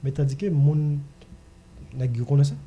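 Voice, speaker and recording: Very dark-voiced Haitian man, husky. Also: fairly high pitch, moderate pace, highs cut off. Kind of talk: casual radio discussion.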